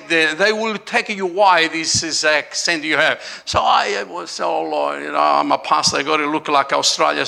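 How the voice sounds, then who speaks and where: Italian-accented pastor preaching, super bright voice w/ some gravel, jokey, amen every other line. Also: male voice, a little high. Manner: jovial, laughing often, frequent amens. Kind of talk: lively Christmas sermon.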